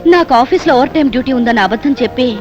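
An actress playing a young working woman who speaks quickly and directly in a family film. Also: high voice, animated, over music. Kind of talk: film drama acting.

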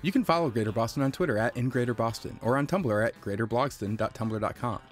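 Male podcast host, rapid credits read, light guitar underneath. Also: medium pitch. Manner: brisk, even reading of names.

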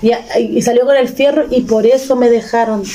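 A woman's voice: a little high, steady tone, normal speed, dark tone. A Chilean woman in her thirties, casually retelling a personal story with emotion and many restarts. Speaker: vlogger.

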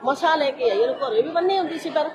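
A woman, a patient's relative, who explains her family's troubles in a rapid, pleading way. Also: high-pitched, expressive, crowd noise. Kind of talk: casual conversation.

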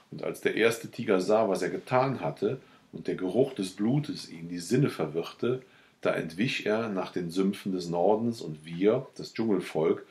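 Deep-voiced man reading a literary audiobook. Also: darkish tone. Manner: measured storytelling. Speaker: audiobook reader.

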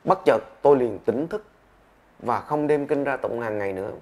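A man telling a story in a steady, measured narrating voice. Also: medium pitch, dull audio. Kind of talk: scripted storytelling.

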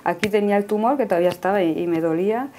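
Racing through her words in a dark, medium-pitched voice, a thirtysomething woman gives her faith testimony as a guest, earnest and conversational, and often adds a questioning "no?" to her phrases. A little hiss or hum is audible.

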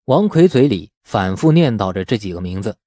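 A male audiobook narrator with a mellow, warm tone and a medium pitch. He reads fiction dramatically, with lively intonation, in a dry, close recording. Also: brisk, no echo. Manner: expressive storytelling. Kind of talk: dramatic scripted narration of a novel.

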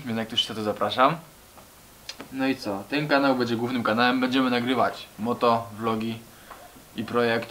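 Talking casually to camera in a cramped garage with brick walls, a young man vlogs in a slangy, meandering way, frequently addressing viewers as buddies. His voice is medium in pitch and a bit bright, with slight hiss or hum.

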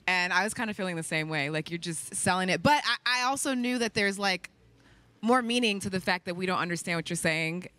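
A woman interviewing a band backstage at a music venue, speaking into a handheld mic, chatty and quick to laugh. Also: fairly low pitch, animated, pushed and bright, no echo. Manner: laughs often, chatty and hesitant. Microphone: handheld microphone.

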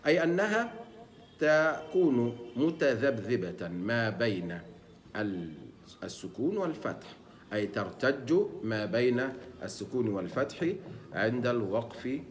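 A man teaches Quran recitation, breaking words into single letters and sounding them out slowly. His voice swings widely in pitch as he explains. He poses questions and answers them himself. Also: lively intonation, a little hiss or hum. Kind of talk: tajweed lesson with demonstrations.

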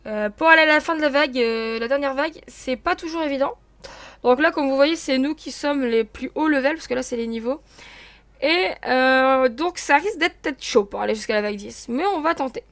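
A woman's voice: sits high, a little fast, fairly bright tone, no room sound. A young woman giving casual commentary while playing an online game, chatty and explaining things to her viewers. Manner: chatty, explains rules to viewers with many fillers. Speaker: gaming channel host.

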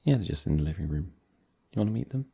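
Man doing young boyfriend, easygoing, teasing, hesitant, low pitch, gravelly, husky. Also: lively intonation, fast, warm tone, exaggerated voice. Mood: relaxed. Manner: hesitant, filler-heavy, teasing. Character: easygoing young adult boyfriend hosting friends. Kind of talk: ASMR roleplay.

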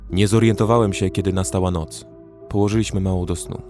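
A young man recounting his survival in a horror audio drama, telling the story in a measured, steady way with a very low voice, as an actor narrates it. Faint music sits behind the narration. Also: close to an everyday voice. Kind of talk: first-person scripted horror narration.

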